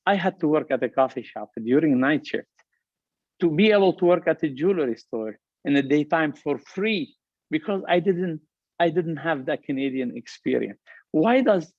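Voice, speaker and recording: A man's voice: fairly high pitch, no echo, lo-fi sound. A middle-aged man from Lebanon with a heavy Lebanese accent, giving an earnest, upbeat motivational talk about his business and his journey. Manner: earnest, upbeat, emphatic with repeated phrases. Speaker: restaurant company founder giving a talk. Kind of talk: motivational keynote speech.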